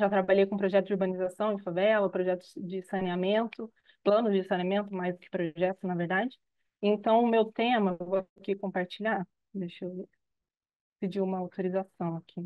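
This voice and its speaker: A woman in a Paraná accent at medium pitch and moderate pace, monotone and flat in intonation, with big swings in loudness. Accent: Paraná accent, unchanged. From interior of Paraná, Brazil. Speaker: architect and urban planner. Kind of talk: webinar presentation. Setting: video call. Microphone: unstable internet connection.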